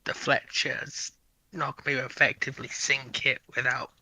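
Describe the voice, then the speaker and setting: A man's voice: mid-range voice, level tone, brisk, creaky, sharp tone, slightly rough, dry recording, poor audio. A man on a panel in casual technical discussion, hedging and repeating the openings of his phrases.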